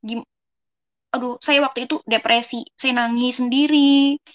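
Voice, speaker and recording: A woman's voice: sits high, fairly even intonation, unhurried, highs cut off. A young woman from West Java giving a casual personal testimony, earnestly talking to her listeners as friends. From West Java, Indonesia. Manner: earnest, keeps addressing listeners as friends, acts out dialogue. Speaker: testimony speaker.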